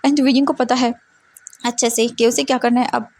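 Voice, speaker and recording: A woman's voice: on the high side, flat delivery, moderate pace, darkish tone, slight background noise. A woman retelling a fanfiction story in a chatty, casual way, dropping in English words.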